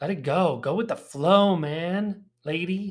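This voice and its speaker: A man is speaking. His tone is animated and upbeat. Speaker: sales coach and podcast host. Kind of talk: sales pep talk, motivational coaching monologue. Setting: home recording, dog noises in background. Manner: animated, high-energy, upbeat.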